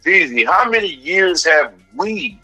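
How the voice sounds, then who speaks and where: A man's voice: fairly high pitch, animated, unhurried, pushed and bright, dry recording, faint music behind, poor audio. A man speaking as a radio show caller, arguing his opinion emphatically in casual street slang. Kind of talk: opinionated call-in debate.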